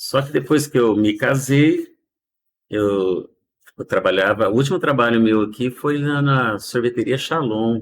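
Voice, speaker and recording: A man speaks at a fairly slow pace in a medium-pitched voice with ordinary pitch variation, an unremarkable speaking voice. The recording is very clean with a silent background. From Brazil, interior of São Paulo state (Ilha Solteira). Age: 60s. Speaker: pastor. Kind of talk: casual interview.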